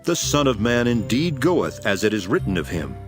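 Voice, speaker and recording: Male actor as grave authoritative holy teacher, Bible drama, expressive lowish voice, music underneath. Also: normal speed. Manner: solemn, declamatory, archaic scripture phrasing. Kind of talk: dramatized Bible audio acting. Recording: music behind the voice. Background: background music.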